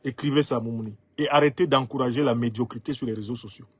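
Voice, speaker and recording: A man in his fifties from Cameroon whose first language is Bassa, emphatically commenting on viewers' social media comments. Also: fairly even intonation, fast, a little mellow, breathy edge. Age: 50s. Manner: emphatic, rhetorical, laughs at his own jokes.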